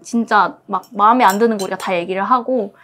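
A woman in her twenties, a singer guesting on a talk show, telling stories in an animated way and laughing as she talks. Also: mid-range voice, fairly quick, slight background noise. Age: 20s. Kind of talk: casual chat. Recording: music bed under the talk.

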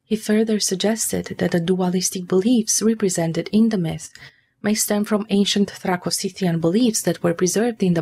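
A woman with a fairly low voice reads scripted narration as a storyteller and explainer. Her delivery is formal and measured, with a faint layer of ambient noise behind her. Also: darkish tone. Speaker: narrator of a mythology video.

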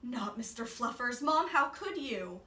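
Woman playing a high-pitched, dramatic little boy. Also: lively intonation, a little slow, sharp tone, distant mic. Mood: indignant. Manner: protesting, bargaining, theatrical. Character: dramatic, pleading little boy attached to toys. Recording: roomy, off-mic, faint noise.

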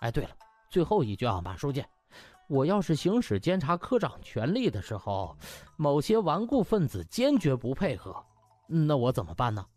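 A man's voice: a little high, very animated, moderate pace, darkish tone, no echo, soft background music. A man voicing a cheeky young male doctor in an audiobook, smug, mock-polite and wheedling. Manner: mock-polite, wheedling, chuckling colloquial talk.

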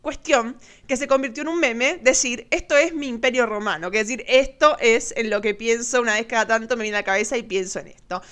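A woman's voice: on the high side, steady tone, a little fast, few pauses, a bit bright. A woman with an Argentine accent casually commenting on viral clips as host, chatty and sarcastic, often laughing. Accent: Argentine Spanish.

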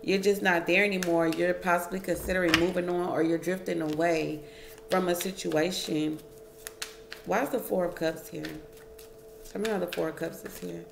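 Speaking at a moderate pace in a steady, gravelly voice of fairly low pitch, a tarot reader works through a casual reading at home at a wooden table. She's chatty, addresses her viewers as "y'all," and ponders each card aloud, in an echoey room with a noisy background.

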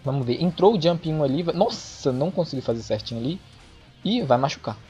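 A man with an excitable, chatty manner who swears often, commentating a fighting-game match for his channel. His voice comes through the dull, lo-fi sound of an old microphone. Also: fairly high pitch, a little fast. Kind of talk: casual esports match commentary. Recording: dull lo-fi microphone, faint music behind.

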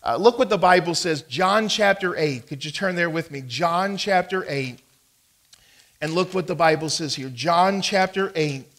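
A man preaching from the pulpit of a church, his voice bright and ringing, a little higher than most men's. He takes his time, leaning into key phrases and restarting sentences as he tells a story to his congregation. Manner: storytelling preacher, emphatic, with frequent stammered restarts. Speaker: pastor. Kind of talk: sermon. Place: church sanctuary.

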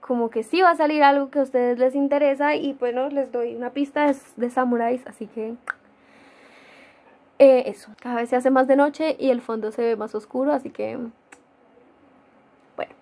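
A woman's voice: sits high, fairly even intonation, moderate pace, pauses often, a little mellow. A young woman with a Colombian accent chatting casually in a dim room at home, answering viewer questions with many fillers and frequent laughs. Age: young adult. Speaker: gaming YouTuber. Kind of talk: casual Q&A vlog.

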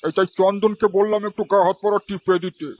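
A man's voice: sits high, little pitch movement, quick pace, highs cut off, background noise, close to an everyday voice. A man voicing a lazy, foul-mouthed old grandfather with aches in a comedy cartoon, talking in coarse, familiar slang. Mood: weary, curious.

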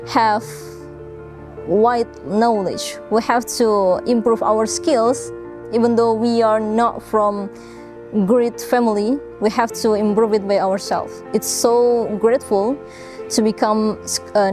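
A woman's voice: mid-range voice, steady tone, measured pace, music in the background. A young woman from Indonesia, a master's student and scholarship recipient, giving an earnest testimonial. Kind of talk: filmed testimonial. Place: studio set with curtain backdrop.

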